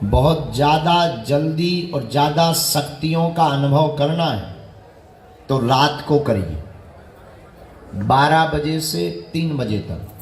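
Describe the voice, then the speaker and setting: A man's voice: a little high, roomy sound, a little hiss or hum. A man giving a devotional sermon, instructing listeners on mantra practice and posing a chain of rhetorical questions. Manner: slow, measured, repeating rhetorical questions. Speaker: spiritual teacher.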